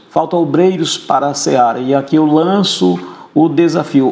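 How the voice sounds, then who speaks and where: Against noticeable background noise, a man speaks at a fairly high pitch with lively intonation. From Brazil, Bahia, raised in Amazonas. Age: 60s. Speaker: pastor and missionary. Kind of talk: exhortation; interview testimony.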